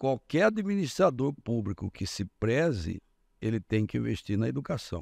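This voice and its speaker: Over a quiet background, a man with a medium pitch talks at a fairly slow pace with very wide pitch swings. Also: dry, close sound with no echo. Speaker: politician, former math teacher. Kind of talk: political interview.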